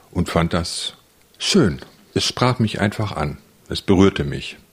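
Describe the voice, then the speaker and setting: With very deep, low pitch, vocal fry and lively intonation, a man speaks at a very slow pace. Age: 60s. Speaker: interviewee sharing personal experience. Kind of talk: personal testimony interview. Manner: halting, hesitant.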